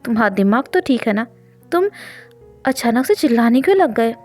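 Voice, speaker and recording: A woman's voice: on the high side, a little slow, dark tone, soft background music. A woman voicing a stern, dominant young man who talks in a firm, commanding, scolding way, reading a storybook scene.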